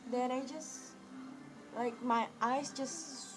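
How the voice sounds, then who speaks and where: With music in the background and audible room echo, a woman speaks at a very slow pace with a high pitch. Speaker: beauty vlogger. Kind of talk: makeup tutorial. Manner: casual chatty.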